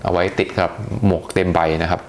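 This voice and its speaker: Low gravelly man reviewing gadgets. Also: level tone, quick pace, slight background noise. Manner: chatty, hesitant, lots of polite particles. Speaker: tech reviewer. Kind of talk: casual unboxing review.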